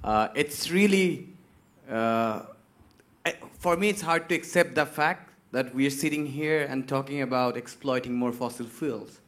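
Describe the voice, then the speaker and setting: A man from Bangladesh, speaking quietly and hesitantly from the audience. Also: medium pitch, measured pace. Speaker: audience member.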